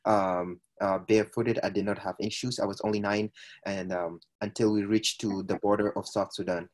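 A man in his 20s from Ethiopia, guesting on a podcast, tells the story of his life hesitantly, with frequent filler sounds and restarts, in conversational personal storytelling. His voice is fairly low, flat in delivery, at a moderate pace.

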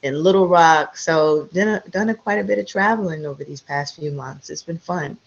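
A woman's voice: deep voice, moderate pace, gravelly. Chatty woman guest on dull audio. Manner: chatty, many fillers and restarts, laughs easily. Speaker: podcast guest. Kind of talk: casual interview chat.

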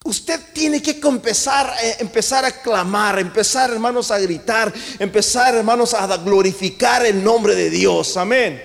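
A man preaching a sermon to his congregation in a church, impassioned, swinging between loud calls and hushed asides. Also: sits high, measured pace, vocal fry, few pauses. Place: church sanctuary. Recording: long church reverb.

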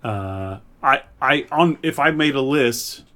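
Male podcast host, mid-pitched voice, informal conversational delivery on pop culture. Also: expressive, takes it slowly, sharp tone. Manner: reads out listener suggestions and reacts. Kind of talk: casual chat about games and films.

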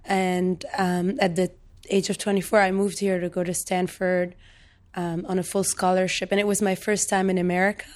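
Woman from Lebanon, 30s, poet guest; soft-spoken, thoughtful, pauses often. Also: lowish voice, little pitch movement. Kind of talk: reflective interview talk.

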